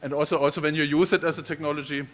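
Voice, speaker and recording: A man's voice: a little high, level tone, very fast, a bit bright. A man, a professor giving a keynote lecture in a friendly, chatty way, often repeating words as he speaks. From Germany.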